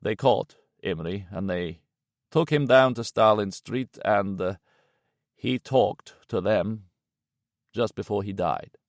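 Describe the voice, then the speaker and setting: A man voicing a grim white-haired older man who speaks quietly and without life in a dull, hollow tone. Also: lowish voice, slow pace, no echo, studio quality. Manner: dull, lifeless, quiet delivery.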